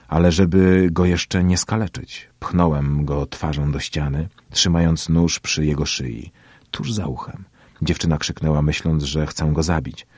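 Very deep-voiced male audiobook narrator. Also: a little mellow, slightly rough, no room sound, clean studio sound. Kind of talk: first-person audiobook narration.

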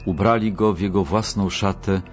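Brief: solemn male narrator for a scripture reading, deliberate and measured, lo-fi sound. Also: sits low, steady tone. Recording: muffled lo-fi recording with faint music.

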